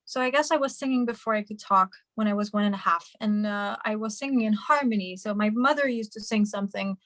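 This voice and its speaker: A woman's voice: medium pitch, fast talker, a bit bright, no room sound. Chatty Hungarian-born woman musician. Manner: chatty, many fillers and restarts. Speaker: singer and musician guest. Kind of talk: casual interview answers.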